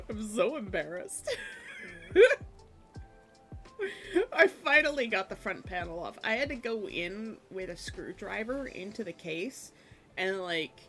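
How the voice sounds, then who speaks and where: A woman streaming a game from her room at home, chatting casually with many fillers and a slightly hoarse voice from a cough. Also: mid-range voice, fairly bright tone. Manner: chatty, rambling with many fillers, laughs often. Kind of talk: casual chat while gaming.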